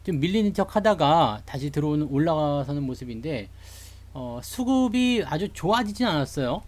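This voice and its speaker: A man's voice: fairly high pitch, lively intonation, normal speed, a little mellow. A man from Seoul giving a chatty, joking live lecture on stock charts to online viewers. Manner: chatty, jokey, greets live chat viewers. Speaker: stock market streamer.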